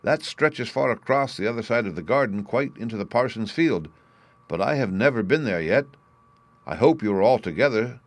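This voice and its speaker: A man's voice: medium pitch, expressive, normal speed, dry recording. A man voicing a weary, fretful mother duck. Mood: wondering. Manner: weary, complaining.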